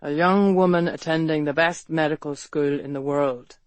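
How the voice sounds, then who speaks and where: A man's voice: on the high side, fairly even intonation, normal speed, no room sound, natural voice. An actor playing a bold, protective Victorian London man who talks matter-of-factly and turns coaxing and flirtatious. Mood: admiring.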